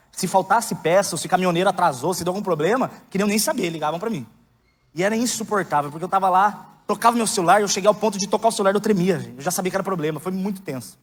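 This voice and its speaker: Man, Brazilian Portuguese accent, preacher, high voice, humorous storytelling, loud then hushed, long hall reverb. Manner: swings between loud preaching and soft asides. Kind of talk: sermon.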